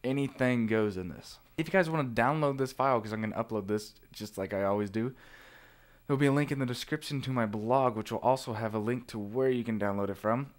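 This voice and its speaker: A man narrating a software tutorial informally, explaining things step by step. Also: mid-range voice, fairly quick. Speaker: tutorial presenter.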